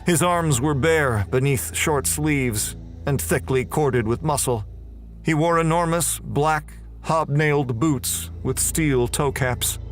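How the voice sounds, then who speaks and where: A man's voice: a little high, slow pace, soft background music. A man performing scripted, dramatic first-person narration for a horror audio drama.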